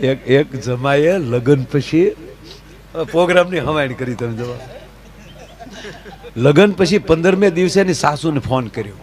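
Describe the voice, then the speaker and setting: High-voiced Kathiawadi Gujarati storyteller. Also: male voice. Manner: chatty, addresses the crowd directly. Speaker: folk stage storyteller. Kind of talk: stage comedy storytelling.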